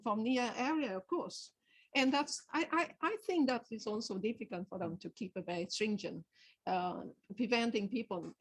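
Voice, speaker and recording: A female researcher with a somewhat high voice answers questions at an academic seminar. Her speech is halting and full of restarts as she searches for the right words. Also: rough recording.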